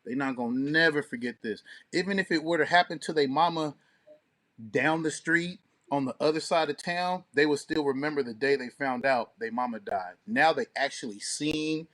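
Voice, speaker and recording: A slightly high-voiced man co-hosts a casual radio talk show, trading slangy, profane, animated banter and stories.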